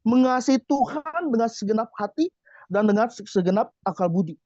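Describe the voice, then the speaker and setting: A man giving a preaching testimony to a congregation, telling his story in an animated way and asking the listeners rhetorical questions. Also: very high-pitched, a little fast, no room sound. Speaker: church office worker giving a testimony. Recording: dull, dry lo-fi recording.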